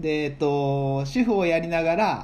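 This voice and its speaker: With ordinary pitch variation, a man talks fairly slowly amid audible room echo. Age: 30s. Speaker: podcast host, freelance work-style consultant and househusband. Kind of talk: casual chat.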